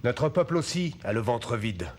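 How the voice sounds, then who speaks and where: A man playing a fatherly but firm old tribal chief in a French cartoon dub, speaking with measured authority. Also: mid-range voice, sing-song, natural voice. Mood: stern. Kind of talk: French animated film dub. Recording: loud music under the voice.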